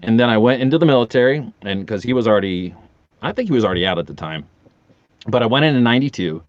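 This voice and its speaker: A man's voice: mid-range voice, fast, dry recording, lo-fi sound. A man in his forties chatting casually as a podcast guest, telling anecdotes and acting out the dialogue. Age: 40s. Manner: animated storyteller, acting out quoted dialogue. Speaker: podcast guest, audio drama voice actor.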